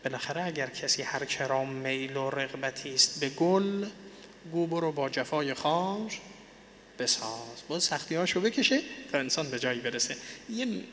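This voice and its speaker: A man preaching a religious sermon to an audience, swinging between soft and loud and reciting poetry slowly. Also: mid-range voice, long reverb tail, a little hiss or hum. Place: large lecture hall.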